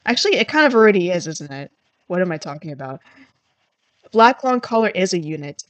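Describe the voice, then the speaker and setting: Woman, streamer, low voice, dry close sound, rambling, self-deprecating, tiring voice. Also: very animated, brisk, dry recording. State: voice starting to tire. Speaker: livestreamer. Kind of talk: casual livestream chat while coding.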